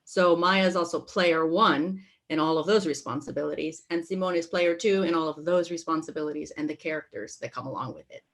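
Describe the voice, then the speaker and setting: A woman's voice: low-pitched, fairly quick, few pauses. A woman, a stage manager on a panel, explaining things in casual conversation.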